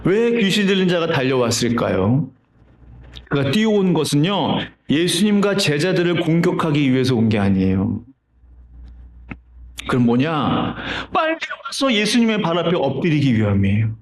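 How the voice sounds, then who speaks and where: Male pastor, sermon, conversational and questioning, slightly raised pitch, reverberant sanctuary. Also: big pitch swings, normal speed. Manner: conversational storytelling with rhetorical questions. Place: church sanctuary. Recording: roomy church reverb.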